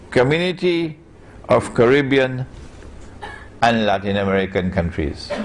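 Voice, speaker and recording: Slow, animated man lecturing. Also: on the high side. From Trinidad and Tobago. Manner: emphatic, rhetorical questions to the audience. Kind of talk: public lecture.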